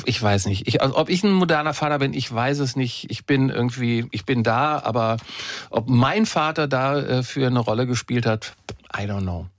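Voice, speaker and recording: A man's voice: a little high, no echo, clean studio sound. A man hosting a radio talk show, conversational and reflective, with frequent fillers.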